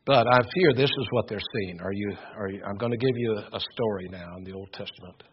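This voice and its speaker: Older preacher with a husky voice. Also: male voice, fairly low pitch, fast. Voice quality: loud voice. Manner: earnest, emphatic, repeats words while building points. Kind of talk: sermon. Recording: dull lo-fi recording.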